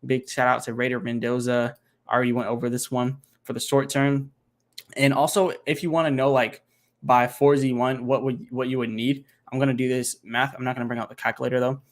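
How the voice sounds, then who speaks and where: A man's voice: mid-range voice, little pitch movement, brisk. Rambling male crypto livestream host. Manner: rambling, thinks aloud while doing math, many fillers. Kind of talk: casual livestream Q&A. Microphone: home computer setup, single monitor.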